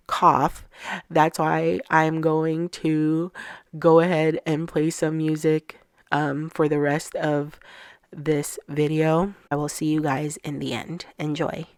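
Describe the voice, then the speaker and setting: A woman's voice: low-pitched, little pitch movement, smooth, dry recording. A middle-aged woman with a stuffy, slightly sore-throated voice, talking through a craft tutorial voice-over step by step. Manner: plain and unhurried, explaining step by step. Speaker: craft channel host.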